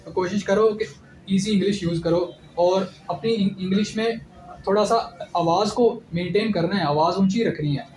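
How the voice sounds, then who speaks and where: High-voiced young man in an echoey room. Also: moderate pace, darkish tone. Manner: direct, instructive. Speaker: ISSB candidate giving advice. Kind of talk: informal advice lecture. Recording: echoey room with clear background noise.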